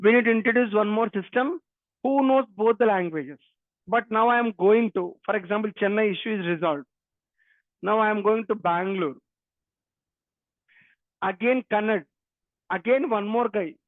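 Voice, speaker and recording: A native Telugu-speaking man from Telangana, a programming instructor, delivers an interactive online technical lecture in a high-pitched voice at normal speed, pausing often. His Telugu Indian English accent is clear, and he keeps repeating phrases and questions while addressing students. The sound is dry and phone-like in its narrowness.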